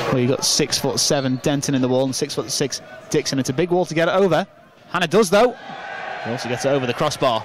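A man's very fast, energetic delivery at a fairly high pitch, with ordinary pitch variation and noticeable background noise. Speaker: football commentator. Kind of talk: live football match commentary, fluent scene-setting play-by-play. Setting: stadium commentary over match footage. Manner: fluent, brisk and energetic, reacting to each touch and chance; clear and informative, with some scene-setting background detail.

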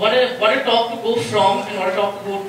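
There is noticeable background noise and audible room echo. A woman speaks at a fairly quick pace. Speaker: event host. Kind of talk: formal introduction. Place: hall.

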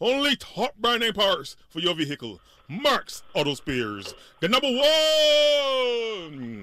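In an extremely high pitch with very wide pitch swings, a man talks very slowly in a raised, projected voice with a bright, sharp tone. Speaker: comedic co-host. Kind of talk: casual comedic chat with sponsor reads. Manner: animated.

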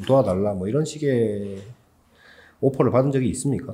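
A man with lively intonation speaks in a somewhat breathy voice. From South Korea. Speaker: tech journalist; interview host. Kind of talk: interview. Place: studio. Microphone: studio mic.

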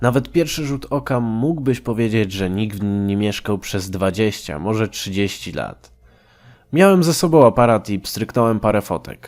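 A man's plain, everyday voice, fairly low in pitch, with lively intonation at a fairly slow pace, on a very clean recording against a silent background. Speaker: creepypasta narrator. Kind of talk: ghost story telling, first-person horror narration. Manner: hushed, slow, suspenseful; tense, building dread.

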